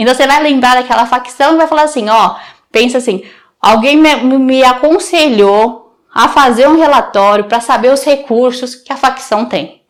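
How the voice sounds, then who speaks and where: The speaker keeps a moderate pace. The pitch varies in an ordinary way. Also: woman, high pitch for a woman. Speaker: dentist teaching exam prep. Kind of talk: live online lesson. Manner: casual and explanatory.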